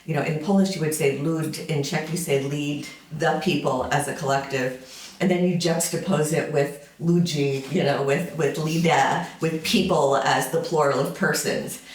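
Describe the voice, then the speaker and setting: The speaker, a lecturer in their fifties, keeps a steady tone and moderate pace in a mid-range voice. Their informal summer school talk is full of fillers and wry asides, and the distant mic makes it sound roomy.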